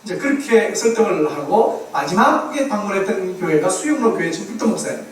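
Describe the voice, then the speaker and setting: A man's voice: high-pitched, animated, fast talker. A man, a missionary preacher, giving a sermon and telling a story with animation, acting out the voices of the people he quotes. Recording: echoey hall heard from far off, faint background noise.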